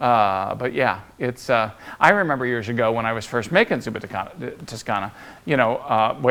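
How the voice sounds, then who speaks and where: An ordinary speaking voice moves at a fairly quick pace. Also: man. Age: 60s. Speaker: priest and TV show host. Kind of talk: casual chat. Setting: TV studio.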